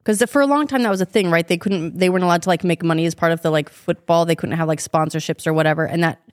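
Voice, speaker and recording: A woman's voice: on the low side, quick pace, no room sound, studio quality. A young woman co-hosting a podcast in casual chat, asking curious questions and reading out what she finds. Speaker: podcast co-host.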